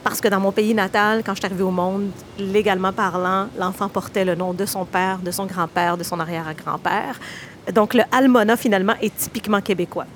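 Woman from Egypt, medium pitch, explanatory, pausing testimony, faint noise. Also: fairly even intonation. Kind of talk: personal testimony in an interview.

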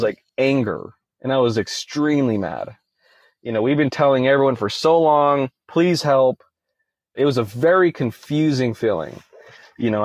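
Young male guest, casual storyteller with plenty of "you know"s, mid-pitched, dead-dry recording. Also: no echo. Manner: conversational, leans on "you know" fillers. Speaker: podcast guest.

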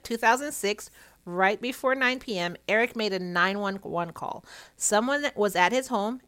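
A woman's voice: medium pitch, a bit bright. Woman podcast host talking through clenched teeth. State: sore cheek from a canker sore. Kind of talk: casual podcast chat and true-crime storytelling.

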